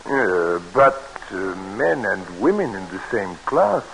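A suave French minister. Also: male voice, on the low side, big pitch swings, vocal fry, fairly bright tone, a little hiss or hum, full character voice, poor audio. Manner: suave, slow, flirtatious. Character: flirtatious French government minister, middle-aged man. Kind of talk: 1940s radio acting. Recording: old radio broadcast.

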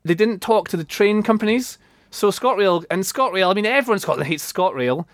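A man's voice: sits high, lively intonation, a little fast, no echo. A man hosting a football podcast from a studio, with upbeat presenting and banter. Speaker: podcast host.

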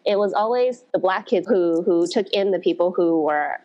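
A woman with a low voice speaks as a podcast guest. She talks in a reflective, storytelling way, circling back with asides as she recalls her past. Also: moderate pace, highs cut off. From United States. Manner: reflective, storytelling, frequent "you know". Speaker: podcast guest, blues dance organizer. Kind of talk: conversational interview.

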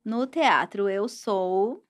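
A woman's voice: medium pitch, extremely slow. A woman hosting a podcast, chatting casually and laughing as she runs a word game with her guests. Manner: bubbly, laughs often, announces game categories. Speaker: podcast host. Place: studio.

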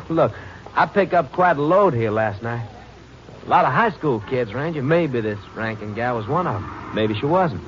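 A man's voice: mid-range voice, lively intonation, moderate pace, slight background noise, lightly acted. A man playing an easygoing Texas bus driver, casual and clipped, in an American 1950s radio drama. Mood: unconcerned. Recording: dull vintage radio recording with music.

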